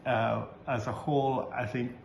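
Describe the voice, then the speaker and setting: A man in his fifties, a Catholic priest, answering interview questions in a halting way with many restarts and easy laughs. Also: medium pitch, fairly even intonation, creaky. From Barbados. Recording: roomy recording with faint background noise.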